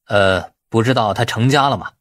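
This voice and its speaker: A man's voice: on the low side, normal speed, fairly bright tone, lightly acted. A man voicing a lecherous older official in an audiobook, drawling and hesitant. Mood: musing, ingratiating.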